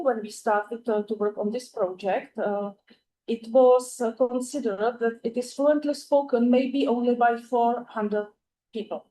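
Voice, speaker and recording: A woman with a Czech accent, a native Czech speaker, giving an academic conference talk in English, with many "uh" pauses and careful phrasing. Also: on the high side, dark tone, slight background noise, poor audio. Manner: frequent "uh" fillers, careful non-native phrasing. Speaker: conference presenter.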